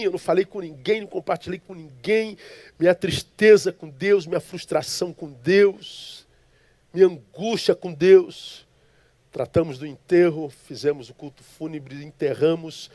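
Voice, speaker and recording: Impassioned high-voiced preacher from Rio. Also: male voice, moderate pace, a little mellow, no echo. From Brazil, Rio de Janeiro. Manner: dramatic, impassioned, stammers when moved. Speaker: pastor. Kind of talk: emotional sermon storytelling.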